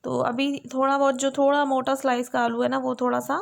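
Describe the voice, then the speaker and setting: A woman's voice: high-pitched, little pitch movement, a little fast, creaky. A young woman chatting casually to her viewers in a home vlog while she cooks and sits with her child, speaking through a camera set on a stand. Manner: chatty, talks to viewers directly. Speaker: vlogger. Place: home kitchen and bedroom.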